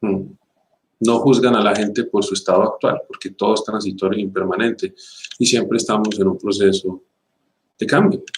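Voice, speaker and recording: A man giving an emphatic, rhetorical spiritual talk, stacking repeated phrases and then slowing to a calm pace to guide a meditation. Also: on the low side, poor audio. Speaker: spiritual teacher.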